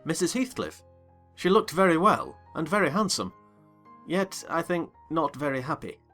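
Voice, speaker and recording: A reader voicing a curious, formal gentleman tenant who narrates in first person. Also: mid-range voice, very animated, moderate pace, soft background music. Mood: inquisitive. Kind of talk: dramatized audiobook reading.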